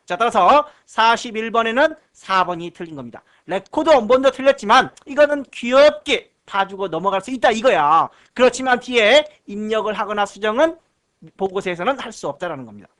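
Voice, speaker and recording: A man's voice: sits high, lively intonation, a little fast, a bit bright. A man from Korea teaching an exam-prep lecture. He asks himself rhetorical questions, answers them, and repeats key terms for emphasis. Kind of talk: recorded lecture walking through exam questions.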